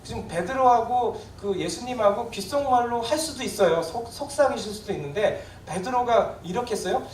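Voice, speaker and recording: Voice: medium pitch, expressive, fairly quick, a little mellow, slight background noise. A pastor preaching a sermon in a chatty, conversational way, often turning to the congregation with questions. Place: church sanctuary. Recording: echoey church hall, voice from a distance.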